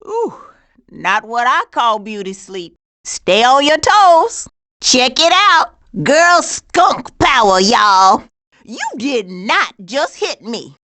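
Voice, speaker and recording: Sassy high-pitched American skunk gal. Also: female voice, animated, slow pace, pushed and bright, heavily acted. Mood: wry, sassy. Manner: sassy, slangy, emphatic delivery. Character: sassy, streetwise female skunk, bold and wisecracking. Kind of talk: animated video game voice lines.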